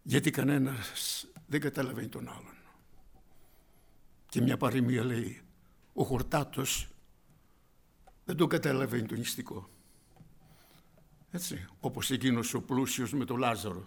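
Impassioned gravelly Greek-speaking preacher man. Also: a little high. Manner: swings from loud exclamations to hushed whispers; addresses listeners as brothers and sisters. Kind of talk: evangelical sermon.

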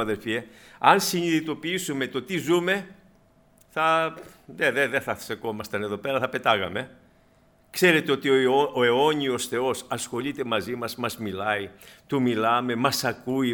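A man preaching a sermon in a meeting hall, calling his listeners brothers and moving between loud emphatic bursts and quiet asides. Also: mid-range voice.

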